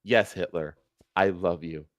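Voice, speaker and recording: A gentle holy man played by a man speaks low and hushed, slow and tender, like a soft-hearted lover in a comic storybook reading. The sound is dry and close. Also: no echo.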